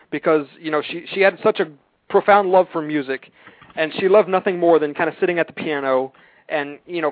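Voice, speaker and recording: Chatty fast guy hosting, kinda high voice, dry phone sound. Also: dry recording, narrow, tinny audio. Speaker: host. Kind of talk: interview questions, casual chat.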